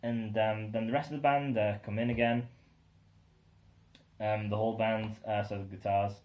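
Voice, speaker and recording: A man's voice: lowish voice, fairly even intonation, normal speed, highs cut off. Rambling young man reviewing an album. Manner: rambling, many ums and uhs, enthusiastic. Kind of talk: casual spoken album review.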